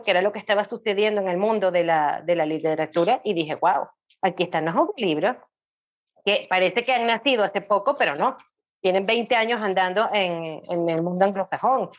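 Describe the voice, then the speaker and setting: A woman speaking as a podcast guest, telling her story conversationally and repeating phrases for emphasis. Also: medium pitch. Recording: dull lo-fi voice audio.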